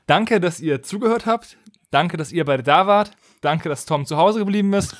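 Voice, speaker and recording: A man's voice: high voice, normal speed, dry recording, studio quality. A man hosting a casual podcast quiz among friends, asking the questions as quizmaster.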